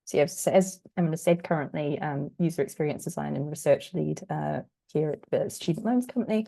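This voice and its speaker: A woman from New Zealand runs a workshop over a video call, her voice husky and croaky as she gets over being sick. She talks in a chatty, self-deprecating way, full of "um" and "sort of", in a fairly low and mellow tone. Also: brisk. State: croaky, recovering from illness. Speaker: workshop presenter. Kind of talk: casual online workshop talk.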